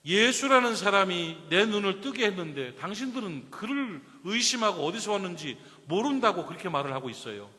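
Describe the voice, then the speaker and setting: Man doing a healed blind beggar, fed up, bright voice, long hall reverb. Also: high-pitched, big pitch swings, fairly quick, hardly any pauses, heavily acted. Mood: insistent. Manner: insistent, retorting questions.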